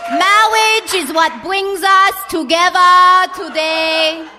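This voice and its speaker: A woman's voice: very high-pitched, fairly even intonation, slow, over loud music, over a noisy crowd. A woman playing a solemn bishop in a comic radio play, intoning formally and ceremoniously.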